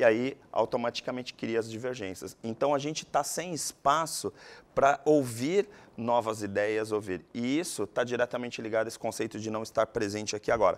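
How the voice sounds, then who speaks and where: Pitch moves with ordinary variation. The background is silent on a very clean recording. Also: man, medium pitch for a man. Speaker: professor and speaker. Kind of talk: TV interview. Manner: fast.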